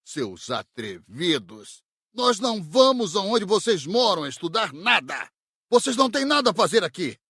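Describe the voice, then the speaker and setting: Woman doing a taunting nasty spirit, brazilian accent, husky n swoopy, audiobook villain. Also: mid-range voice, very animated, a little slow, fairly bright tone, dry recording, clean studio sound, exaggerated voice. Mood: mocking, aggressive. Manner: taunting, mocking. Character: jeering, insolent spirits of the dark underworld. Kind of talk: audiobook character acting.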